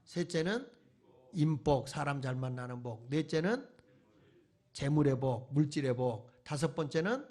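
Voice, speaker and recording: Man, pastor, revival sermon, husky voice, high-pitched, call-and-response questions, folksy humor. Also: lively intonation, measured pace, a little mellow. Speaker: pastor, guest revival speaker. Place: church revival meeting.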